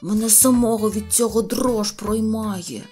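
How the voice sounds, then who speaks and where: A woman's voice: medium pitch, measured pace, warm tone, faint music behind, lightly acted. A fussy little grouch from a storybook grumbles at everyone around him, as a woman reader puts him on. He talks in an irritable, scolding way.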